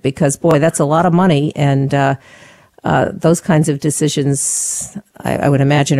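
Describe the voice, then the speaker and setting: A woman's voice: low voice, darkish tone. A woman hosting a conversational radio interview, thinking aloud as she restates points to her guest.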